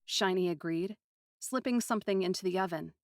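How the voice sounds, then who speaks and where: A woman narrating first-person fiction dramatically, with a deliberate, poetic, often hushed delivery. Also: on the low side, no room sound, clean studio sound. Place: close, dry recording.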